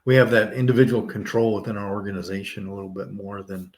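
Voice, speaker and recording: A man's voice: on the low side, little pitch movement, fast talker, a little mellow. A man hosting a casual podcast interview, conversational, paraphrasing his guest's points and chuckling now and then. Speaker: podcast host.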